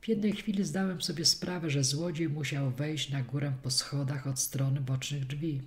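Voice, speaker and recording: A woman reading a detective story aloud as a steady first-person audiobook narration. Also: low-pitched, normal speed. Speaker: audiobook reader.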